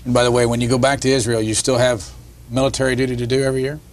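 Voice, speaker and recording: A man's voice: mid-range voice, little pitch movement, rapid-fire. A middle-aged man hosting a television interview, asking brief, direct questions in a studio. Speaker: interview host.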